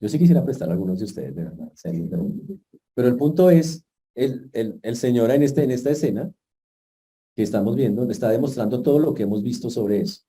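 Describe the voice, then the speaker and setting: Male pastor, very dark and mellow voice, lively storytelling sermon with asides to the church. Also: mid-range voice, fairly quick. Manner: lively storytelling preaching with jokes and asides to the congregation.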